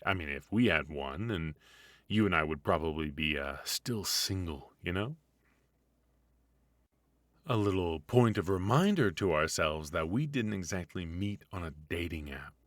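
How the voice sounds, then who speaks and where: A man acts out a retired supervillain turned doting husband in a comedic ASMR roleplay. His voice is very low and his talk unhurried, with theatrical, teasing turns and a playfully sinister edge. The sound is close and dry. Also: expressive, no room sound. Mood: wry, teasing. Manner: teasing, theatrical, conversational with pauses and chuckles.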